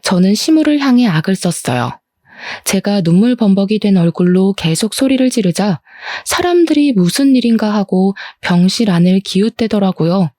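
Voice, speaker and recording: Mellow, dry-voiced woman storyteller. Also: medium pitch, normal speed, no echo. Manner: plain, steady storytelling. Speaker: story narrator. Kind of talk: scripted first-person story narration.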